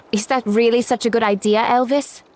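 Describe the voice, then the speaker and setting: A woman's voice: fairly high pitch, fairly even intonation, normal speed, lightly acted. An actress playing a sensible, exasperated female companion in a video game, pointed and sceptical.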